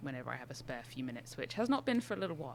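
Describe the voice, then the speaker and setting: Somewhat breathy, a woman with a British accent speaks with ordinary pitch variation. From Britain. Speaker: podcast guest, artist. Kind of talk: casual chat.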